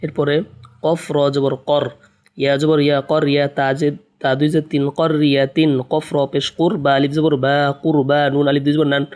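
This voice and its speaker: A man from Bangladesh teaches the Quran to beginners by spelling out Arabic letters and vowel marks in a flat, slightly high voice. Slow sing-song chants of the spelling are followed by quick spoken explanations.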